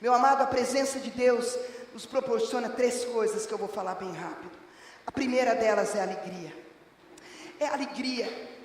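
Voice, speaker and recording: A woman's voice: on the high side, moderate pace. A middle-aged woman pastor delivers a fervent Pentecostal sermon. Her voice rings with a long reverb through a large church hall and is caught from some distance. A faint room hum sits under it. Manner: fervent preaching that swells into shouting. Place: church sanctuary.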